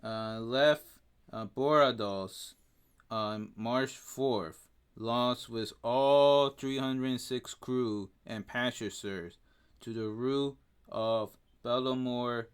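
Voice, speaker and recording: A man with a Spanish accent, a native Spanish speaker, co-hosting a casual podcast and reading out facts haltingly, stumbling over names with plenty of fillers. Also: medium pitch, smooth. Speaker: podcast co-host.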